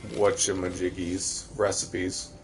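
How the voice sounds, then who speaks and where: A man's voice: deep voice, monotone, slow pace, slight background noise. A man from the American Midwest with a Midwestern accent, chatting casually while streaming a game and answering viewers. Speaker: livestream host. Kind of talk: casual gameplay commentary.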